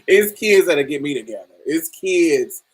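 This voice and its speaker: A woman with a deep voice hosting a casual podcast chat, telling stories with frequent laughter and calling the listener honey and baby. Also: slow, slightly rough. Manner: animated storyteller, laughs often, calls listeners honey and baby. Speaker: podcast host.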